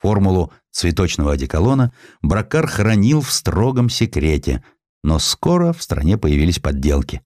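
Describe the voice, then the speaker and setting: A man narrating a historical sketch as an audiobook, telling it expressively and slowing down for quoted lines. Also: no echo, clean studio sound. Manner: expressive storytelling, voices quotes with shifts of pitch and slowing down.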